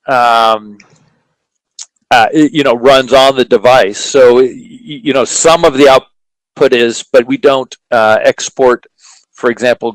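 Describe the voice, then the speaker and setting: A man giving technical product answers in a measured, explanatory way, pausing to think as he goes. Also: mid-range voice, no room sound, low-quality recording. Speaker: company presenter answering questions.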